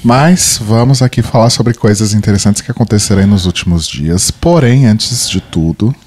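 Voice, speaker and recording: A man's voice: lowish voice, moderate pace. A young man from Brazil with a cold, co-hosting a podcast in playful, chatty talk and reading listener emails aloud. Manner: playful, chatty, reads at a steady pace. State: has a cold. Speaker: podcast co-host.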